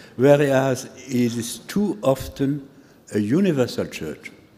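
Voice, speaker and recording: A man with a French accent, medium-pitched, very slow in pace, with lively intonation. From France. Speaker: theology professor. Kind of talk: academic conference response. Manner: halting. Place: hall. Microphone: lapel.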